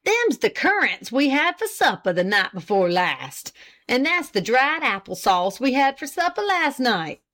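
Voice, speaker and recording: A woman's voice: medium pitch, very animated, measured pace, a bit bright. A woman voicing a pompous, self-important old farmer husband with an indignant, boastful rural drawl.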